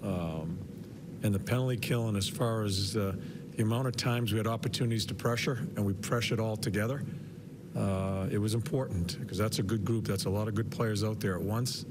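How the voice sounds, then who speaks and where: Fairly quick and fairly low-voiced, a head coach in his sixties fields questions at a postgame press conference, stumbling and repeating words between fillers. A podium mic records him in an arena press room in a medium camera shot, and a steady background hiss runs under the broadcast feed.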